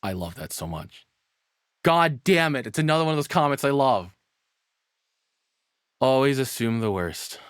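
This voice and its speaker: A man's voice: medium pitch, expressive, normal speed, pauses often, clear, resonant tone, dry recording, studio quality. An American man rambling casually on a livestream, often interrupting himself and swearing mildly. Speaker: streamer reacting to a video; voice actor.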